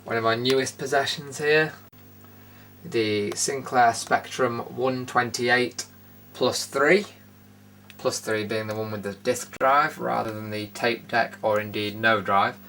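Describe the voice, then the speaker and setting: A man's voice: mid-range voice, fairly even intonation, slow, sharp tone. A British man giving a casual, unscripted tour as a video host, matter-of-fact and dryly opinionated. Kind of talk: casual unscripted show-and-tell narration. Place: indoor room studio. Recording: noticeable background noise.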